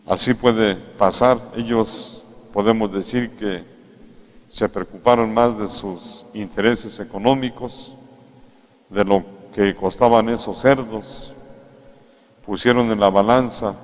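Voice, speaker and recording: A man with a Mexican accent preaches a sermon, his low voice moving slowly and carrying a long echo through a large cathedral. He talks to the congregation in a plain, conversational way, taking his time and repeating his main points. The sound of the big stone room hangs around every word. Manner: unhurried, conversational preaching that repeats key phrases. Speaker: priest.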